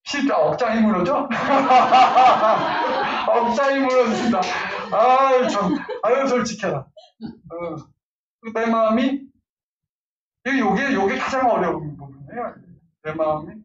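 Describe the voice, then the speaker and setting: A man in his fifties giving a lively parenting lecture, laughing often and acting out angry outbursts as examples. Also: sits high, takes it slowly. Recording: far-off roomy lo-fi lecture recording with faint noise.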